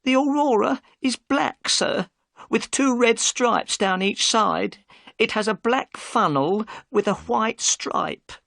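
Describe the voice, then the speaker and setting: A man voicing an upset middle-aged boatman's wife in a high, shaky, pleading voice while reading a storybook aloud. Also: slow pace, vocal fry, a bit bright, dry recording, clean studio sound, exaggerated voice. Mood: worried.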